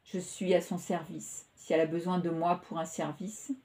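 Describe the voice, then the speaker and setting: A woman reading the part of a gentle young man who speaks in a quiet, composed way, in a storybook reading. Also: lowish voice, little pitch movement, normal speed, lightly acted. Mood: calm, reflective.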